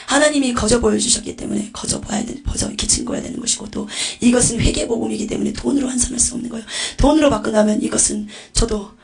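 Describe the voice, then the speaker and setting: A woman's voice: on the high side, fast talker, gravelly, few pauses, darkish tone. A woman giving a religious testimony, telling visions in a breathless, vivid way with whispered asides. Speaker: testimony speaker.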